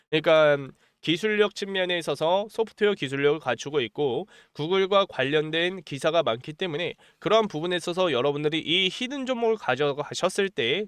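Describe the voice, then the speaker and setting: A man with a cold delivers a pushy stock-market pitch, his voice a little high and smooth despite the strain. He keeps the tone urgent and promotional, circling back to the same points. The sound is close and dry with no room around it. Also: fairly bright tone, dry recording. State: has a cold, voice a bit strained. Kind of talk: stock analysis monologue with sales pitch.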